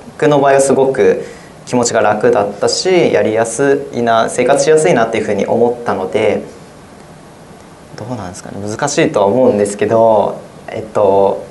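A man's voice: mid-range voice, a little mellow. Hesitant teenage boy in a roomy space. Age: teens. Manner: hesitant, lots of fillers. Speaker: student guest. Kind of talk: casual spoken reflection. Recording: roomy sound with faint noise.

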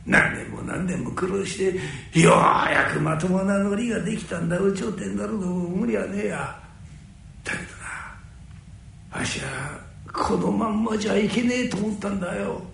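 Gruff old merchant, played by a man, rough downtown talk, lively swoops and gravel in a very echoey room. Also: high voice, normal speed, slight background noise, full character voice. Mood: remorseful. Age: older. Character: older male nori wholesaler, gruff but caring.

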